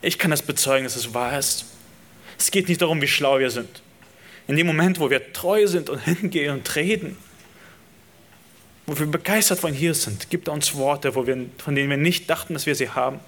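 A man's voice: a little high, moderate pace, a bit bright. A man preaching with a slightly raised voice, speaking earnestly to his congregation. He drives his points home by stacking repeated phrases that swell in emphasis. His address is direct and personal. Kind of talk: sermon.

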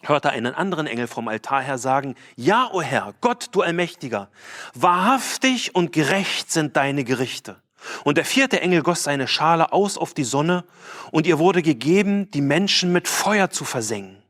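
Male preacher, slightly raised pitch, earnest and emphatic sermon delivery, rhetorical questions. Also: very animated, normal speed, fairly bright tone. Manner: quotes scripture with raised, dramatic voice.

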